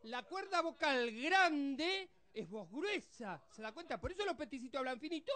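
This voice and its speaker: A man putting on a high, squeaky voice with an Argentine accent, telling jokes on a TV show and acting out the characters in them. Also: big pitch swings, normal speed, sharp tone, heavily acted. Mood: chatty. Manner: rattles through jokes, acts out other characters. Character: squeaky-voiced cheeky grown man, playful joker. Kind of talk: stand-up joke telling on a TV show.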